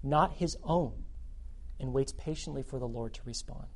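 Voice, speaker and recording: Animated male youth pastor preaching. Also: mid-range voice, normal speed, gravelly. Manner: animated, repeats phrases for emphasis. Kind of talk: sermon.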